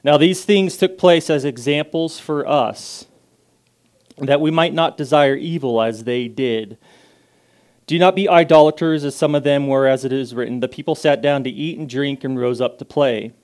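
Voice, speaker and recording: Casting: man, guest preacher, loud and casual, clear and smooth tone. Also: medium pitch, normal speed. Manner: loud, casual and self-deprecating, reads scripture with rising emphasis, prays softly. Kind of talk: informal sermon with scripture reading and prayer.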